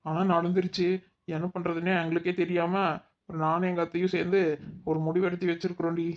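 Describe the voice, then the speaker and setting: Brief: a performer doing a fast-talking, whiny young village daughter-in-law, mid-pitched, on a dull lo-fi track. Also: completely flat delivery, close to an everyday voice. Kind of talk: cartoon voice acting. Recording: dull lo-fi recording.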